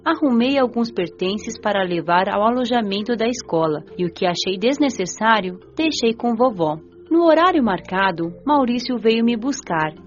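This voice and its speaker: A woman with a Brazilian accent playing a gentle, eager young spirit who narrates her story in an audio drama. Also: a little high, expressive, normal speed, hardly any pauses, dull audio, faint music behind, natural voice. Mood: tender, reflective.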